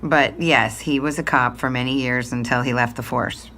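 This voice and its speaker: Very deep-voiced, dry woman. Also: steady tone, moderate pace, fairly bright tone. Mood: wry, resigned. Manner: matter-of-fact, wry. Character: candid, dry daughter of an estranged detective. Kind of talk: naturalistic podcast interview drama. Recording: faint ambient room noise.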